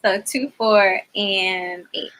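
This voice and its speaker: A woman on a casual discussion panel, blunt and expressive in her opinions. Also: medium pitch, slow, low-quality recording. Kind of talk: casual group chat.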